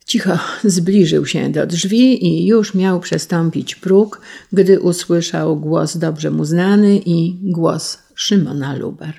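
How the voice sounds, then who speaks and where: A reader narrating a historical novel in a steady storytelling manner. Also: medium pitch, slow, creaky, few pauses, slightly rough. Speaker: audiobook reader.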